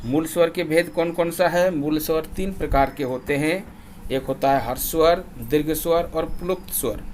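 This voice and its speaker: A man teaching a grammar lesson, who drills lists of vowels slowly and deliberately, repeating them in a chant so students can recite along. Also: a little high, a little mellow, slight background noise. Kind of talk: classroom lesson.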